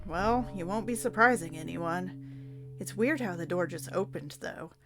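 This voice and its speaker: A woman's voice: fairly low pitch, lively intonation, unhurried. A woman reading a storybook aloud expressively as host, with playful, dramatic asides to the listener. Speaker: host reading a choose-your-own-adventure book aloud. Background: music under the voice.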